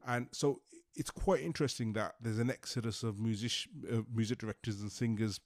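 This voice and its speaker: A man's voice: fairly low pitch, fairly even intonation, brisk, a little mellow. Man hosting a casual interview. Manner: hesitant, lots of fillers and restarts, nostalgic. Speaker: podcast host.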